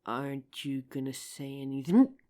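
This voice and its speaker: A performer playing a regretful, tender zombie apocalypse survivor in an intimate audio roleplay, speaking earnestly with hesitant pauses. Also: mid-range voice, mellow, close to an everyday voice. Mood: tender, vulnerable. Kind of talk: ASMR audio roleplay, intimate scripted drama.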